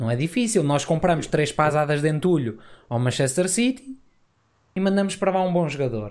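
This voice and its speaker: Fairly high-pitched, a man talks at a fairly quick pace in a European Portuguese accent with lively intonation. The recording is very clean, with a silent background. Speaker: football fan podcast host. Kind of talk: casual live podcast chat. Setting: rooftop terrace.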